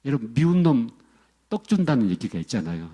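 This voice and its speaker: A middle-aged man preaching with a lively, swinging delivery and a mellow, slightly husky tone. He presses his points through repetition and keeps calling out to his congregation. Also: mid-range voice, brisk. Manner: emphatic, repetitive preaching with direct address to the congregation. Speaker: pastor. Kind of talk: sermon.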